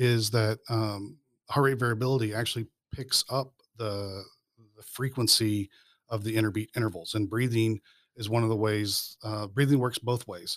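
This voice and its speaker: Heard on a very clean recording with a silent background, a man with an American accent has a plain, everyday voice at a medium pitch, speaking at a moderate pace with fairly even intonation. His loudness swings widely, and the sound is dry and close with no echo. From US Midwest, southeast Missouri. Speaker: university lecturer and war veteran. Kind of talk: podcast interview.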